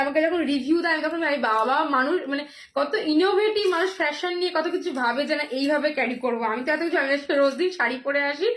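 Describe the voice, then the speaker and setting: A hoarse woman selling jewellery on a live stream, chatty and repetitive, with many fillers and drawn-out phrases. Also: high-pitched, fairly bright tone. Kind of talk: live sales pitch.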